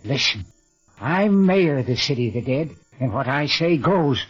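Gruff suspicious backwoods guy, husky and stubborn, muffled old radio play. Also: mid-range voice, animated, normal speed. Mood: indignant, domineering. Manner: rustic, ungrammatical, blustery. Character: gruff, stubborn, suspicious rustic cemetery mayor. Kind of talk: old-time radio drama acting. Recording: muffled vintage radio recording with music behind.

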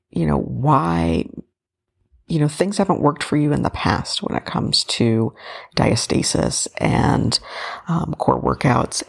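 A woman hosts a relaxed solo podcast, chatty and loose with plenty of fillers. Her voice is worn and raspy, with a heavy gravelly fry and a husky edge. Her pitch still rises and falls in a lively way as she talks. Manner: chatty, full of fillers and restarts. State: raspy, tired voice. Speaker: podcast host. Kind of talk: casual solo podcast update.

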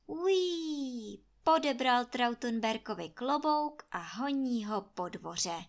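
A woman narrates a fairy tale with lively, expressive storytelling. Her voice sits somewhat high for a woman. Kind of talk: reading a fairy tale aloud.

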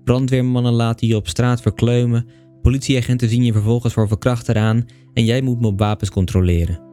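A man reading a bedtime story aloud in calm, even scripted narration with a dry, understated manner. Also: mid-range voice, fairly quick, faint music behind. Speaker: audiobook reader.

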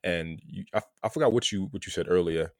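Deep-voiced man in casual discussion. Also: brisk. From Haitian American. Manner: thoughtful, repeats words while finding them. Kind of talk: casual conversation.

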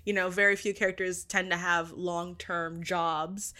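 Female interview guest, bright crisp-edged tone, casual but articulate, analytical conversational commentary. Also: on the low side, level tone, measured pace.

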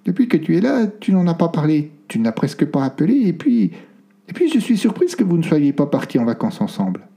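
A fretful old grandmother guarding a secret, her voice lifted a little higher and thinner than the reader's own, as a man puts her on for a storybook. She talks softly and hesitantly, dodging questions. The tone underneath stays dark and mellow. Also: huge pitch swings, brisk, gravelly, exaggerated voice. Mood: anxious. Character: worried older grandmother, secretive and evasive.

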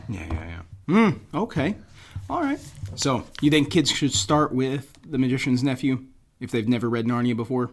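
A man hosting a podcast, talking casually and haltingly, with frequent pauses as he recommends books. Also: medium pitch, very animated. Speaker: podcast host.

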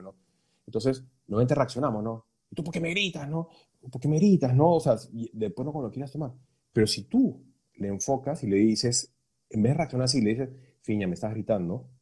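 Male co-host, mellow husky tone, reflective, explains with examples. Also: mid-range voice. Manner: reflective, explaining with examples, frequent tag questions. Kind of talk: casual conversation on emotions.

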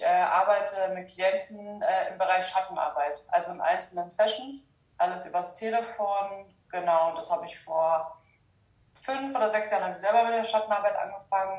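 A woman's voice: fairly low pitch, normal speed. A young adult woman from Germany, a guest explaining her practice in a casual interview, hesitant, with many fillers. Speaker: guest, shadow work practitioner. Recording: roomy, distant sound.

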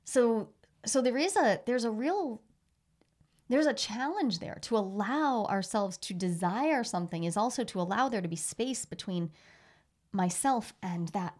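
A woman in casual conversation, animated, explaining ideas and often restarting her sentences. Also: on the high side, unhurried.

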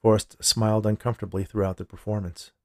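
A man's voice: on the low side, little pitch movement, quick pace, no echo, studio quality. A man narrating a scripted short story as the storyteller. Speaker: writer and narrator of a fiction podcast.

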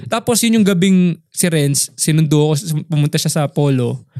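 A man's voice: a little high, animated, moderate pace, dark tone, no room sound, studio quality. Young man telling a heated story. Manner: storytelling, mixes English slang, says "bro" a lot. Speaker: podcast co-host. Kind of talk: casual chat.

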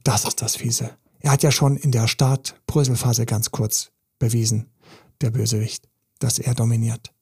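Man, relationship coach, gravelly fry, mellow dark tone, emphatic and intense. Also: mid-range voice, level tone, moderate pace. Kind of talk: podcast monologue.

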